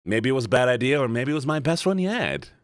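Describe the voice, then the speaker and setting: A man streaming a story game, reading the text aloud and chatting playfully with his viewers in an animated way. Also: mid-range voice, quick pace, no room sound, clean studio sound. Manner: animated, playful, shouting at times. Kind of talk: reading a visual novel aloud to chat.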